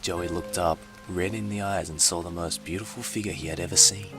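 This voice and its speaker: A man's voice: low voice, steady tone, brisk. A man giving a hammy, mock-dramatic comedic reading of fan fiction as narrator, with music behind him.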